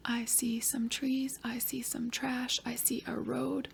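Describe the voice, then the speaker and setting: A woman voicing a young girl student in a whispered role-play, giving soft, short answers to lesson questions. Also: a little high, flat delivery, takes it slowly, creaky, slightly rough, exaggerated voice.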